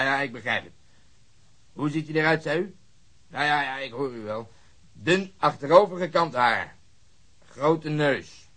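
An actor playing a gruff, sarcastic police detective in a radio drama, speaking in an exasperated, grumbling way. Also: male voice, a little high, pushed and bright, heavily acted. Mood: strained patience. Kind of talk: Dutch radio drama acting.

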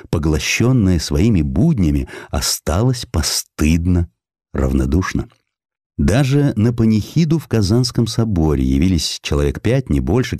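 Deep-voiced, expressive male narrator. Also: no room sound, clean studio sound. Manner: measured, expressive storytelling. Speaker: audiobook narrator. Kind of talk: dramatic literary narration.

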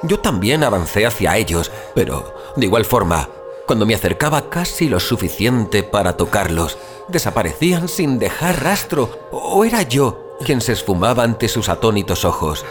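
Over prominent background music, a man acts the part of a troubled wanderer on a strange journey, narrating his haunting dream in first-person audio fiction. The mood is bewildered and eerie; his fairly low voice swings with very animated intonation, theatrical and suspenseful, with deliberate dramatic pauses.

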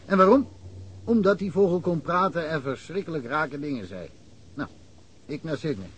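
A wry, chatty small-town cop. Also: male voice, fairly high pitch, expressive, normal speed, slightly rough. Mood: amused, chatty. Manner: talkative, wry storyteller, chuckles often. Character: chatty provincial cop, male, middle-aged, wry. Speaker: local police detective. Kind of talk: radio drama acting.

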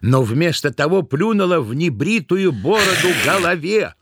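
A man's voice: fairly high pitch, expressive, moderate pace, fairly bright tone, breathy edge, dry recording, clean studio sound. A man reading scripted literary narration as the narrator of an audio play. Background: music.

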